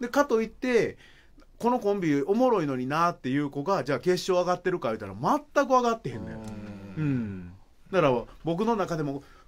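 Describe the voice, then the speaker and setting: A man with a Kansai accent talks at a fairly quick pace. His high voice moves in very wide pitch swings. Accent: Kansai Japanese. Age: 50s. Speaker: broadcast writer; radio host or guest. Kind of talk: casual chat. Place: studio.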